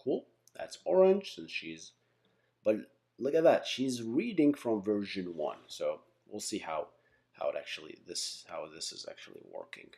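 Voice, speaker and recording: A man with a low, dark, relaxed voice explains things in an informal tutorial. His intonation is highly animated, rising and falling widely. He thinks aloud as he goes and often pauses to check in. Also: vocal fry. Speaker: software engineering instructor.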